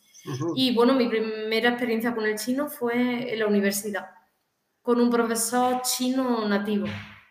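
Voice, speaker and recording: Amid audible room echo, a woman with an Andalusian accent speaks at a fairly high pitch with fairly even intonation. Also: moderate pace. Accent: Cordoban Andalusian Spanish. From Córdoba, Andalusia, Spain. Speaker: translator and Mandarin learner. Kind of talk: interview. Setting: video call.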